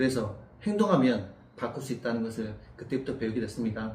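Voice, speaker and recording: A man's medium-pitched voice at a fairly quick pace, with audible room echo. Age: 40s. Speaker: local council candidate. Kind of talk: interview.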